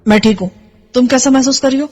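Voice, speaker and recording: A woman reading a calm captive young man. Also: high-pitched. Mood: reassuring. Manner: hushed, reassuring.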